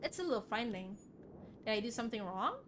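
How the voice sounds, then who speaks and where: A woman livestreamer reading a visual novel aloud in an animated way, with casual asides. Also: fairly high pitch, fast talker, noisy background. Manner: animated, reacts and questions aloud as she reads. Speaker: game streamer. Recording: background music under the voice. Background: music.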